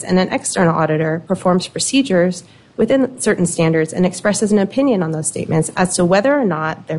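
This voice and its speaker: Squeaky-voiced woman giving formal remarks. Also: darkish tone, a little hiss or hum. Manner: measured, explanatory, reading prepared remarks. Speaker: interim chief internal auditor. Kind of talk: formal committee presentation. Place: public meeting room.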